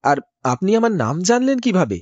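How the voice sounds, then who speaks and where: A man plays a frightened young man lost at night in a cartoon horror tale. He stammers and fires off anxious questions. His pitch moves in a lively way. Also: fairly quick, no echo, highs cut off. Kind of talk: cartoon voice acting.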